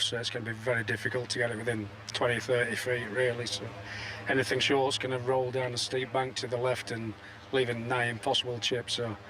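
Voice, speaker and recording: A man's voice: mid-range voice, fairly bright tone. A man giving matter-of-fact, analytical golf commentary from the course. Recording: faint outdoor noise and hum.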